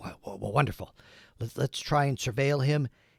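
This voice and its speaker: Using a put-on character voice, a man speaks raspily at a medium pitch and a moderate pace, his intonation fairly even, in a dry, close sound with no echo. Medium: solo performance.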